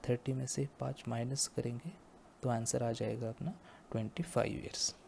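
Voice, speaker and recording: A male teacher slowly explaining a maths lesson step by step, often stopping to ask the class if it is clear. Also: mid-range voice, fairly even intonation, darkish tone, a little hiss or hum. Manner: slow, explains step by step and checks understanding. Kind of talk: math lecture.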